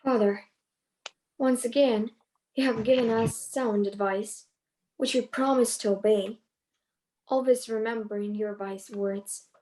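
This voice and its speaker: A woman's voice: a little high, fairly even intonation, measured pace, long pauses, dark tone, close to an everyday voice, low-quality recording. A woman playing a dutiful, earnest suppliant daughter in a dramatic reading of a Greek tragedy. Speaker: actor.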